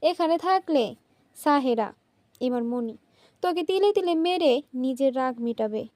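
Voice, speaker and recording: A woman's voice: high-pitched, expressive, a little slow, darkish tone, no echo. A woman voicing a tender, sorrowful old grandmother. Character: elderly grandmother, gentle and sorrowful.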